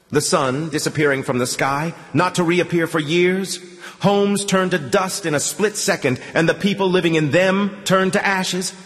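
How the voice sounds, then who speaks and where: Man voicing an old priest, scornful, menacing, raised pitch, reverberant. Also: fairly bright tone, close to an everyday voice. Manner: rising, accusing, menacing rhetoric. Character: old male priest, contemptuous, fiery preacher.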